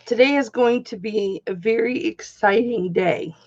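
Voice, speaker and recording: A hoarse woman chatting casually as she tests gemstones for her jewelry vlog, exclaiming when frustrated. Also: fairly high pitch, unhurried, a little mellow, dull audio. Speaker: jewelry reseller vlogger. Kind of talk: casual chat while testing stones.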